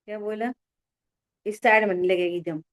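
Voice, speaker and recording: A woman teaching a religious discourse in an expressive voice, often exclaiming and checking whether her listeners follow. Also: mid-range voice, moderate pace. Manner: keeps asking listeners if they follow; expressive, exclaims and acts out little dialogues. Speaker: spiritual teacher.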